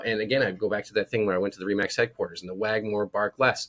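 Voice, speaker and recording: A man's fairly low voice at a very fast pace, over noticeable background noise. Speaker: call center founder, former real estate worker. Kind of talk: casual podcast interview. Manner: fast, talks a mile a minute.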